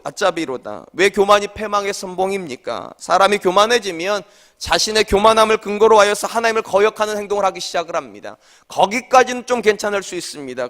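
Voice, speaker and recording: High-voiced Korean pastor preaching. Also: male voice, a bit bright. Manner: earnest, direct questions to the congregation. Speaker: senior pastor. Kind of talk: early-morning sermon. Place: church sanctuary.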